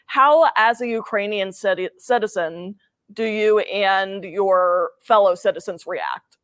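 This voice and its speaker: A young woman hosts a student radio interview and asks her prepared questions politely and evenly. Her voice sits at a middle pitch for a woman. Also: slow, a bit bright.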